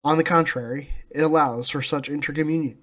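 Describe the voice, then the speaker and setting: Higher-pitched American man, solemn religious commentary. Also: steady tone, brisk, fairly bright tone. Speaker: host of a religious commentary channel. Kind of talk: scripted polemical commentary.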